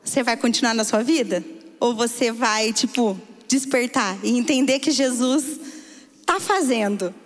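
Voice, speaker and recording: A woman with a Brazilian Portuguese accent preaching a sermon, telling a story and swinging between hushed and excited tones. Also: fairly high pitch, a little slow. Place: church hall. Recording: hall reverb.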